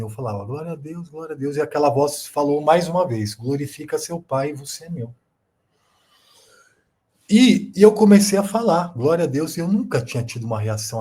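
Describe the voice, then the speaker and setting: A man's voice: medium pitch, darkish tone, husky. A Brazilian Portuguese-speaking man, a guest, telling a personal testimony in a rambling way with many fillers and repeated words.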